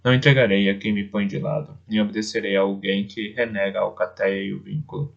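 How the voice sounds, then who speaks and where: A man's voice: on the low side, level tone, fast talker, creaky. A man voicing a proud, scornful young wolf. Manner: scornful, insistent. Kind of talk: audiobook character voice. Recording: dull lo-fi recording.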